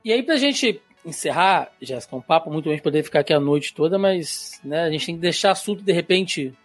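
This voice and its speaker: A man's voice: a little high, expressive, a little fast, no room sound, faint music behind. A Brazilian man hosting an interview, chatting casually and thinking aloud with informal asides. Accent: Brazilian Portuguese. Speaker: show host.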